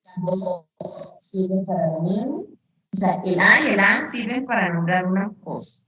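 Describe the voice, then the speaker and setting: A woman's voice: medium pitch, unhurried, bright, forceful tone. A female English teacher, patiently explaining a lesson and quizzing her class. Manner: patient, repeats and asks the class questions. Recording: echoey room, distant mic.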